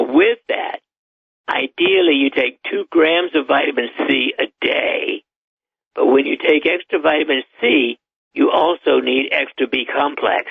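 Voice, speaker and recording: An elderly man in his eighties speaks as a doctor giving advice, matter-of-fact and sure of himself. His voice is gravelly and husky. It comes through a tinny, dry phone line. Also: medium pitch, no room sound. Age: 80s. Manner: matter-of-fact, advisory, with chuckles. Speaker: doctor guest. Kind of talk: radio call-in interview.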